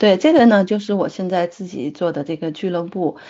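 A woman of medium pitch at a moderate pace, an ordinary speaking voice. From China, Guizhou province. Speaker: paragliding and hiking enthusiast. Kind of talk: casual interview chat.

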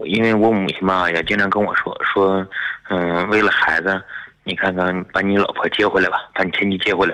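The man's pitch is fairly low, and his intonation is monotone and flat. He speaks at a fairly quick pace. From Heilongjiang, Harbin area. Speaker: caller, bus driver. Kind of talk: phone call to advice show, personal problem. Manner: halting.

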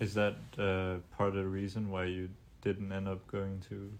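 A man with a fairly low pitch talks at a moderate pace, his intonation monotone and flat. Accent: Swedish. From Sweden. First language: Swedish. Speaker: podcast co-host, student. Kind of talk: casual chat.

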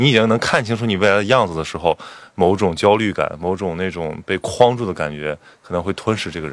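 Very fast male speech in a fairly low register, its pitch varying in an ordinary way. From Qingdao, Shandong, China. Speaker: podcast host, former journalist. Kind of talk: casual chat.

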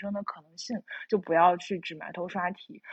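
A somewhat breathy woman's voice, medium in pitch, at a fairly quick pace with fairly even intonation. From Shandong, China (county town). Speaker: media entrepreneur and variety show producer. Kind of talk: casual chat.

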